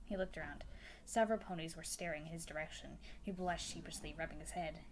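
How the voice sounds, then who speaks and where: A woman's voice: sits low, fairly even intonation, quick pace, slight background noise, low-quality recording. A woman narrating a fan story as a dramatic reading. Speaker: story reader.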